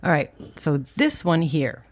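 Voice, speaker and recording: Casting: female craft vlogger, deep register, whistling sibilants, candid and self-deprecating, loose chatty delivery. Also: very animated, a little slow, a little hiss or hum. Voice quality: whistling s through the teeth. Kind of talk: casual rambling show-and-tell.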